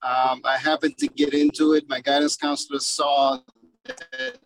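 Man from Cape Verde, choppy breaking-up video call, fairly high voice, gravelly, halting with many fillers, speaking from a car. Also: very animated, a bit bright, poor audio. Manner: halting, leans on "you know" fillers. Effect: choppy video call connection, breaking up. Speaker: educator guest. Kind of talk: panel discussion.

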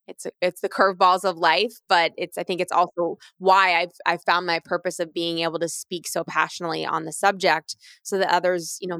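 A woman's voice: lowish voice, creaky, dry recording. Earnest retired athlete woman, dry sound. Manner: earnest, restarts phrases often, animated when quoting others. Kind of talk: candid personal storytelling.

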